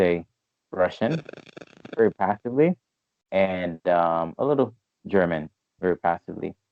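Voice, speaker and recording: Speaking with a Haitian accent, a man has a very deep, low pitch. His pace is fairly slow. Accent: Haitian Creole-accented English. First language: Haitian Creole. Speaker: polyglot YouTuber, language teacher. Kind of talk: casual interview. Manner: halting, many fillers.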